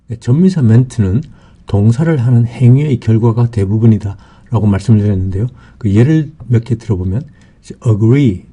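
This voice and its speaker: A man giving an English vocabulary lesson in Korean, explaining word after word slowly and patiently, with many hesitant fillers. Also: fairly low pitch, mellow, slightly rough. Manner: slow and patient, many "어" fillers, lists meanings one by one.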